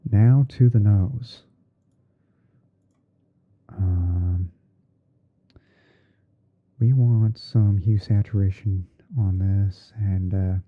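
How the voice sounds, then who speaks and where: A man with a very deep voice talks through an editing task on an ASMR stream. He is unhurried, half talking to himself as he works. The audio is narrow and muffled, like a phone line. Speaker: streamer hosting a roleplay. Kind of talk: ASMR livestream, narrating photo editing step by step.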